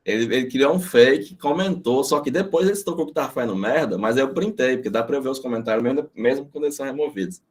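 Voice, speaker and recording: A man's voice: mid-range voice, quick pace, few pauses. A middle-aged man from Brazil teaching an informal online class, telling casual, profane stories. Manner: animated storytelling, casual and profane.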